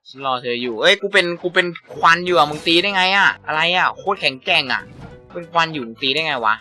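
A young man chatting casually and joking excitedly while playing a game with a friend, swearing freely. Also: on the high side, fast. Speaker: gaming YouTuber. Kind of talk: casual gameplay chat with a friend. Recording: faint game music behind.

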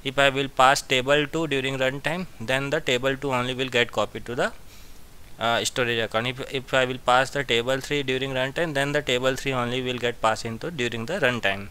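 A man giving a step-by-step software tutorial as an instructor, repeating his phrases as he goes. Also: medium pitch, steady tone, brisk, clean tone. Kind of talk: screen-share software tutorial.

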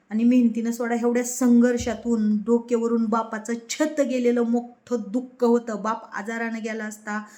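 A combative woman delivers a heated political rant. Her voice sits a little high. She fires off rhetorical questions and hammers the same phrases again and again. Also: dark tone. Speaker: political commentator.

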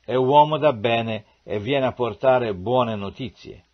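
A man voicing an aging king who mourns his son in a slow, breaking lament, in a dull lo-fi recording. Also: mid-range voice. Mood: grave.

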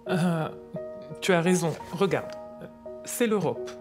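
A woman's voice: on the low side, takes it slowly. Older grandmother storyteller over music played by a woman. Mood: patient, explanatory. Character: patient grandmother explaining wartime history to a child. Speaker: grandmother telling history to her grandchild. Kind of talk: explanatory storytelling to a child. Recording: music under the voice.

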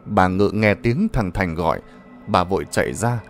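A man's voice: deep voice, animated, normal speed, faint music behind. A man narrating a ghost story in a dramatic, suspenseful manner.

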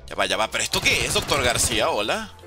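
A young man doing animated gameplay commentary, talking straight to his viewers. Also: mid-range voice, fast. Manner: animated, excitable, talks to viewers. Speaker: gaming YouTuber. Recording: game music behind voice.

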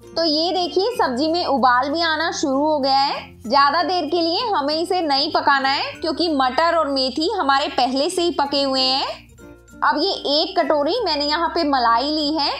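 A woman's voice: sits high, fairly bright tone. A woman hosting a cooking channel, narrating a recipe step by step and speaking directly to her viewers. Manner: instructive, addresses viewers directly.

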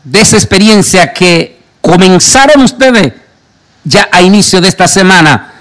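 A man's voice: high-pitched, lively intonation, normal speed, a bit bright. A man who hosts a religious program as a pastor, introducing and questioning a guest emphatically. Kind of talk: religious broadcast interview.

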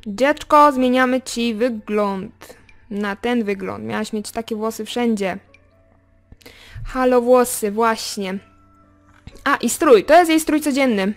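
A chatty young woman commenting on her game in a relaxed, talkative way. Her voice sits a bit higher than most women's, and she bounces from lively exclamations to low muttering to herself. She talks straight to her viewers throughout. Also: slow pace, pauses often, soft background music. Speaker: gaming video host. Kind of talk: casual let's play commentary.

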